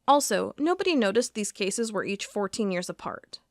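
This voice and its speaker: A woman's voice: mid-range voice, sing-song, normal speed, no echo, clean studio sound. A woman playing a methodical federal agent. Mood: dry, reading. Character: female federal agent, methodical, increasingly uneasy. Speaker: investigator reviewing case files. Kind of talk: audio drama monologue.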